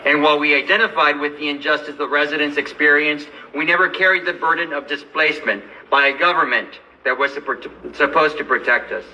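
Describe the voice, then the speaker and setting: A man from Los Angeles, a lawyer and advocate, giving a measured, earnest speech at a press event. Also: a little high, steady tone, bright, forceful tone, muffled recording. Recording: distant mic with light background noise.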